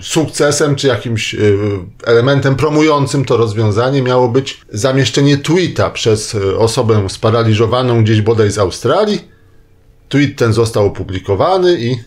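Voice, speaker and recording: A man delivering a semi-improvised popular-science column for radio, discursive and hedging, with frequent tag questions. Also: medium pitch.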